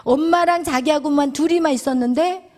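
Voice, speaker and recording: A woman pastor preaching and teaching through a vivid personal story, sometimes dropping to a hushed whisper for emphasis. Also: high-pitched, brisk.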